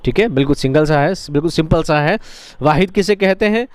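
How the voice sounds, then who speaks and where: Man, teacher, fairly high voice, smooth clear tone, dry close sound, asks and answers his own questions. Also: a little fast, no room sound. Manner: asks students questions and answers them himself; repeats key points patiently. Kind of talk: recorded grammar lesson.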